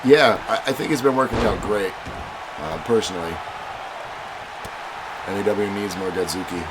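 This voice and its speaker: A man's voice: on the low side, normal speed. A man with a stuffy head cold, hosting a livestream, chatting casually with viewers and calling matches. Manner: chatty, reads donations and chat aloud. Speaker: livestream host and commentator. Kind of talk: casual stream chat with match commentary. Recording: loud music and crowd behind. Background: loud game music and crowd noise.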